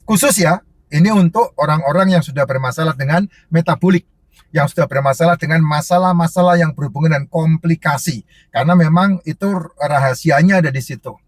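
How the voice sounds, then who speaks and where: A man's voice: on the high side, a little fast, no room sound. A man who sells herbal drinks, answering viewer questions in casual, emphatic, repetitive advice that lists point after point.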